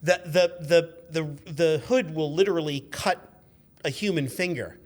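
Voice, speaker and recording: A man in his fifties chatting casually as a guest, telling animated, rambling, sweary anecdotes as a car journalist. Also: on the high side, moderate pace. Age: 50s.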